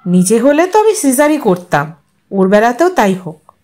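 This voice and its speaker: A brisk, dismissive modern wife in an audio story, voiced by the woman narrating. Her tone is cool and matter-of-fact, and she sounds impatient with old ways. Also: a little high, big pitch swings, darkish tone.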